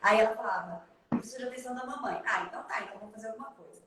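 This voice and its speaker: A woman in her thirties with a Brazilian accent, giving parenting advice live over a video call, fast and emphatic. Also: fairly high pitch, a bit bright, heavy reverb, distant mic. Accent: Brazilian Portuguese. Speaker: parenting consultant.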